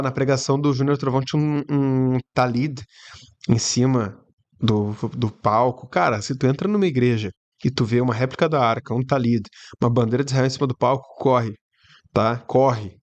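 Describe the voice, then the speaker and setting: Man, reaction host, sarcastic chatty asides, casual commentary. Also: mid-range voice.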